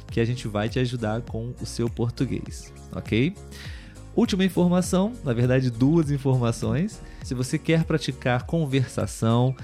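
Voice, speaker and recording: A Brazilian man hosting a casual chat podcast for language learners, speaking clearly and in a friendly way. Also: medium pitch, warm tone. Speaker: podcast host.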